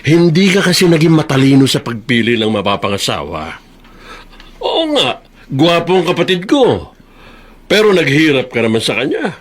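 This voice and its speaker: A man playing a bitter, jilted older brother in a radio drama, sneering and taunting, with sudden high outbursts. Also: very animated, moderate pace.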